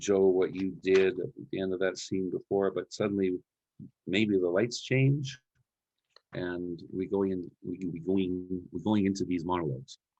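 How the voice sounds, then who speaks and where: Pausing long and often, a man with a Saskatchewan accent speaks at a moderate pace in a very deep, low pitch with a dark, mellow tone and ordinary pitch variation. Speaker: playwright and author. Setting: online book launch. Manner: casual, conversational.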